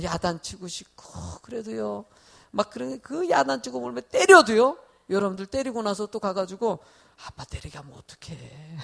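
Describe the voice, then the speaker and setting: A man preaches a sermon and keeps throwing questions back to the people in the pews. His voice sits high and carries a gravelly fry. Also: fairly bright tone. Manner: peppers talk with questions to the congregation. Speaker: pastor.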